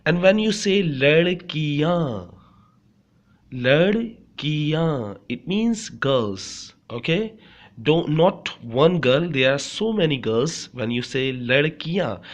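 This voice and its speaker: A man's voice: fairly high pitch, lively intonation, moderate pace, muffled recording. A man with a South Asian accent, a native Urdu speaker, teaches beginners phrase by phrase, repeating himself and often checking that listeners follow. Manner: repetitive, frequently checking understanding with "okay". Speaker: language teacher. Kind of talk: beginner language lesson, explaining phrase by phrase.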